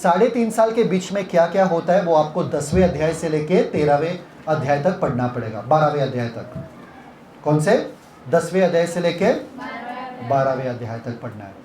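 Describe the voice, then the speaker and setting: A man's voice: a little high, lively intonation, normal speed, darkish tone, a little hiss or hum. A man leading a Bible retreat session, teaching interactively and quizzing listeners with repeated questions. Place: retreat hall. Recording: echoey hall.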